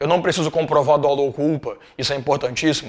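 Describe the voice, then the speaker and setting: It is an unremarkable speaking voice. The pace is fairly quick. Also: man. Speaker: law teacher. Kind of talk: lecture. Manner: casual, uses swear words and slang.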